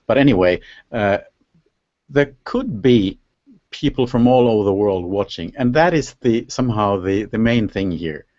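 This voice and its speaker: With a lowish, darkish voice and no echo, a native Finnish speaker from Finland acts as interview host on a live video call. He keeps things casual, often hunting for words in his Finnish-accented speech, over dull lo-fi online audio.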